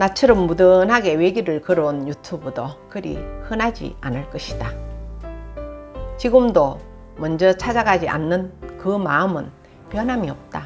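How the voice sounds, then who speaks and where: Music plays in the background as a woman speaks at a fairly slow pace with lively intonation. Her loudness swings widely, and she takes long, frequent pauses. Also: fairly low pitch for a woman. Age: 70s. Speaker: real estate agent assistant. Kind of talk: reflective personal narration.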